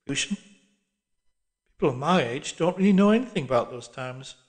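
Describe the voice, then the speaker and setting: An earnest, tentative younger man, as a male narrator gives him voice, slightly higher than the narration and carefully measured. Storybook reading. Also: animated. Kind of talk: audiobook character voice.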